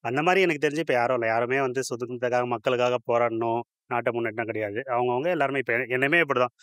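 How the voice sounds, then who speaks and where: Bearded commuter listing points quickly. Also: male voice, mid-range voice, steady tone, fairly bright tone, clear, resonant tone, no room sound, clean studio sound. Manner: listing points in short phrases. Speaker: commuter in street interview. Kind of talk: street vox pop answers. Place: covered footbridge outdoors. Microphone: handheld interviewer mic.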